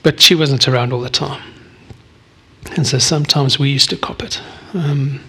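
A man in his fifties from South Africa, preaching a sermon and sharing a personal testimony in an earnest, vulnerable way with frequent pauses. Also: medium pitch, steady tone, pushed and bright, husky. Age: 50s. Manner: earnest, vulnerable, often pausing.

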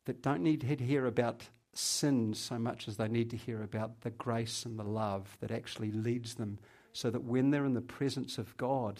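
A male pastor delivers a relaxed, conversational sermon. He talks at a middle pitch and turns to individual listeners with playful asides, keeping the tone informal. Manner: chatty, teasing the congregation by name.

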